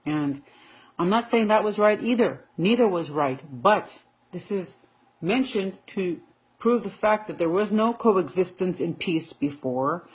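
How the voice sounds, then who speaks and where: A woman from the United States delivers a heated monologue straight to camera. Her voice is husky and a little breathy, and she hammers her points home with firm repetition. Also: lowish voice, poor audio. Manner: indignant, emphatic, repeats points. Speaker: video commentator. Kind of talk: direct-to-camera rebuttal monologue.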